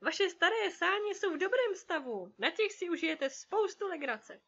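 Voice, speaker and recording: Donald, as a woman voices him, a gruff cartoon duck. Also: extremely high pitch, lively intonation, fairly bright tone, dull audio, full character voice. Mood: softened. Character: grumpy, stingy male cartoon duck uncle.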